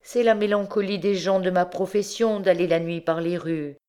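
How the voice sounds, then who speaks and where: A woman's voice: on the low side, steady tone, normal speed, dark tone, pitched above the performer's own voice, natural voice. Woman reading a pleading poor poet. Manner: pleading, anxious. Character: cringing vagabond poet, pleading and wordy.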